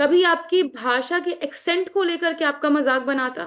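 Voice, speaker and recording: A woman with a Magahi accent speaks in a high voice with ordinary pitch variation against a quiet background. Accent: Magahi accent in her Hindi. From Bihar, Magahi-speaking region. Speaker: party spokesperson. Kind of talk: interview.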